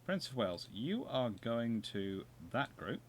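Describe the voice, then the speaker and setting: A man's voice: medium pitch, sing-song, measured pace, a little hiss or hum. A man with a Surrey English accent chatting casually and joking while he plays a naval strategy game live. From England. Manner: chatty, jokey, thinking aloud with restarts. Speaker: game streamer, host. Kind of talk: casual live gameplay commentary.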